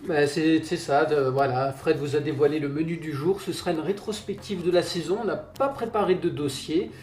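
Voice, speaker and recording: A man co-hosting a podcast, his voice a touch higher than most men's and ringing in an echoey room. He talks in measured, carefully built sentences, a little wordy but friendly. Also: a little mellow, a little hiss or hum. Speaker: podcast co-host and editor. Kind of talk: casual podcast chat.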